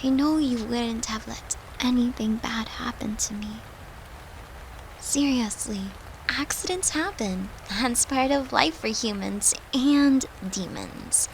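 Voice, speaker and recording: A woman playing a gentle, devoted girlfriend who soothes her lover in an intimate comfort roleplay, speaking tenderly and reassuringly in a soft, hushed voice. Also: a little high, takes it slowly, a little hiss or hum, poor audio.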